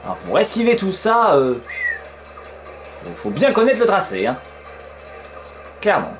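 A man commentates a video game in a chatty, filler-heavy way, cursing when things go wrong. His voice sits fairly high and swings widely in pitch. Faint game music plays under him. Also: wildly swooping pitch, a little slow. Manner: chatty, fills with "hein", swears when surprised. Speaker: let's play gamer. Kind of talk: casual gameplay commentary.

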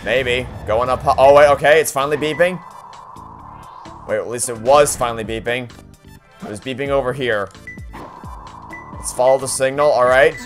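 A man's voice: medium pitch, normal speed, pauses often, soft background music. Sarcastic, fed-up young man playing a game. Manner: sarcastic, exasperated, swears often. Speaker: let's play host. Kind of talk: profane frustrated gameplay commentary.

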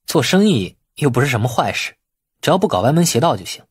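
Guy doing a smooth-talking young businessman for an audiobook, polite, eager to please, lively husky voice. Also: mid-range voice, fast, no room sound. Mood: gently persuasive.

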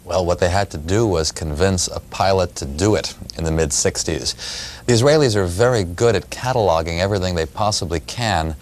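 Low-voiced New York man telling a story. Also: a little hiss or hum. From New York City. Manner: storytelling, measured, explanatory. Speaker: author and radio reporter. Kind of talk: studio interview answers. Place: dark television studio. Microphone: lapel mic.

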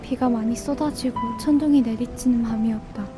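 Woman acting a high-voiced, wounded young woman. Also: fairly even intonation, a little fast, music in the background, close to an everyday voice. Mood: bleak. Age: young adult. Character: wounded, withdrawn young woman, bitter and despairing. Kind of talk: radio drama acting with inner monologue.

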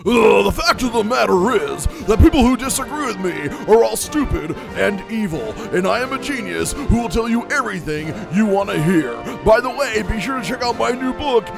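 A man playing a smug, blustering political talk radio pundit, loud and self-important. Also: high-pitched, lively intonation, moderate pace, vocal fry, hardly any pauses, over music, voice pushed up.

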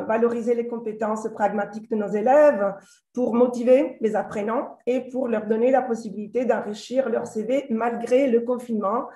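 A woman's voice: on the high side, warm tone. A woman hosting an online meeting, giving semi-formal introductions in hesitant phrases over a video call. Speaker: host, moderator. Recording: roomy, echoey video call.

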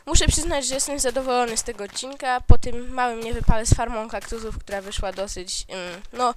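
A man's voice: very high-pitched, steady tone, a little fast. A man hosting a game tutorial voice-over, explaining step by step and correcting himself as he goes. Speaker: gaming channel host. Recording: noisy home recording with mouse clicks.

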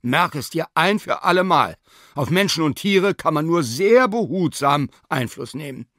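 Male reader as an agitated older professor, commanding, lively, dry close mic. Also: on the high side, moderate pace, dry recording, voice pushed up.

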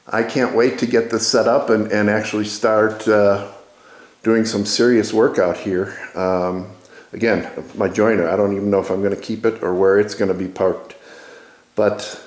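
Low-voiced man in an echoey workshop. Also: fairly even intonation, a little slow. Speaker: woodworking video host. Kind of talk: informal narrated shop tour. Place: indoor wood workshop.

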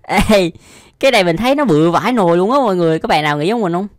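A young man hosts a YouTube reaction video, his high voice racing along with lively intonation as he exclaims casually and often laughs at what he's watching. The studio-quality recording has no room sound, with music playing behind him.

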